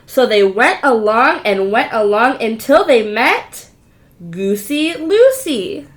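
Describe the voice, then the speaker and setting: High-voiced woman preschool teacher reading aloud. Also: sing-song, slow pace. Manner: questioning, repeating words, inviting answers. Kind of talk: interactive storybook read-aloud for young children.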